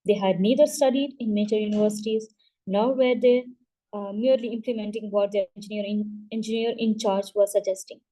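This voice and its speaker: Woman reading a memoir out loud for a book club, mellow tone, steady, trips on a word here and there. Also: medium pitch, fairly quick, poor audio. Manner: steady read-aloud pace with occasional stumbles and restarts.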